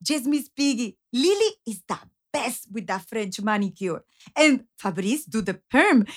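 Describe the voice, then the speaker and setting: High-pitched, excitable Latina salon receptionist. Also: female voice, a little slow. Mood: bubbly, friendly. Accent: Spanish-accented English. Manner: mixes Spanish exclamations into broken English. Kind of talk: comic audio drama acting.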